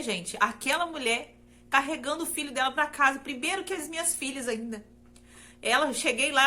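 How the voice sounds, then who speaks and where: Sitting high and sounding bright and forceful, this woman from Brazil shares her faith testimony. She repeats herself earnestly and frequently turns to speak straight to her audience.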